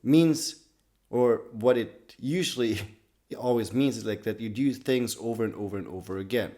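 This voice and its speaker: A man with a slightly raspy voice from being sick, talking to camera in an earnest, loose way about personal growth. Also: mid-range voice, moderate pace, mellow. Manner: earnest, loose sentences with many restarts and "like". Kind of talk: casual talk to camera.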